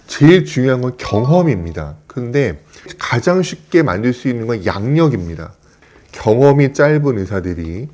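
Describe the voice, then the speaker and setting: A man's voice: medium pitch, darkish tone, slight background noise. A man in his fifties, a plastic surgeon, telling stories in an earnest, reflective way. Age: 50s. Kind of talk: casual conversational talk.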